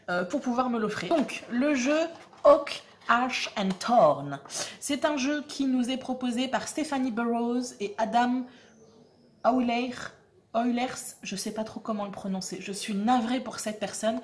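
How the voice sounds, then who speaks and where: A woman, hosting a tarot channel and presenting a deck in a chatty, self-mocking way with many fillers. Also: on the high side. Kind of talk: casual presentation to camera.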